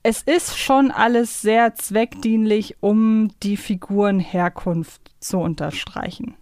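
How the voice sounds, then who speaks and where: A woman's voice: mid-range voice, fairly even intonation, takes it slowly, darkish tone, no room sound, studio quality. A woman chatting casually as a podcast co-host.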